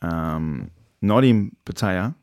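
A man's voice: low voice, animated, slow, a little mellow. A man with an Australian accent chatting casually as a podcast co-host, in a laid-back, colloquial way. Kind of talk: casual chat.

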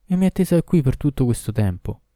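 A man's voice: medium pitch, very animated, brisk, dark tone, no room sound, studio quality, pitched above the performer's own voice. A man reading aloud who gives the lines of an eager young bride, in an impassioned way. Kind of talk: audiobook reading.

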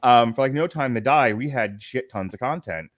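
A man's voice: medium pitch, animated, moderate pace, no echo, studio quality. A man hosting a podcast, chatting casually in a jokey, rambling way. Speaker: podcast host. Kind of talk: casual chat.

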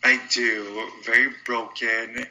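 A Brazilian man whose first language is Portuguese speaks with a Brazilian Portuguese accent as a radio show guest, earnest and candid with a wry edge, in casual interview talk. His medium-pitched voice is level, slow, bright and forceful, and the highs are cut off.

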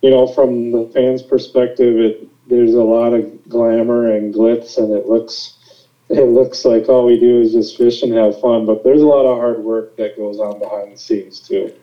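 A man's voice: mid-range voice, little pitch movement, moderate pace. A young man from Minnesota, a professional angler, answering interview questions in an easygoing, agreeable way with lots of fillers. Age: young adult. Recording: dull lo-fi sound.

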